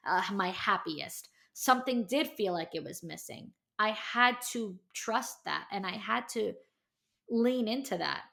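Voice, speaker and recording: Hosting her own casual podcast, a woman of thirty talks in a medium-pitched, slightly bright voice with vocal fry. She's candid and chatty, peppering her speech with "like" and "you know," and then emphatically spurs her listeners on.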